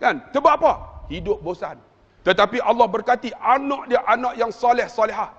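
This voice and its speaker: A man, preaching a sermon as a dramatic storyteller who swings between loud outbursts and hushed narration. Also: very high voice, brisk, vocal fry, breathy edge. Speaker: religious preacher. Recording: dull, reverberant hall recording.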